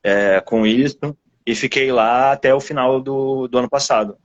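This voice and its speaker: A Brazilian man with a Portuguese accent, an author being interviewed, casually recounts personal experiences in a reflective, halting, rambling way. His mid-range voice keeps a steady tone, and the audio is dull.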